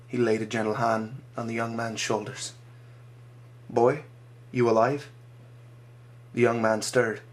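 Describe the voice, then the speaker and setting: A man reading his own dramatic short story aloud, measured and slowing for grim moments. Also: lowish voice, monotone.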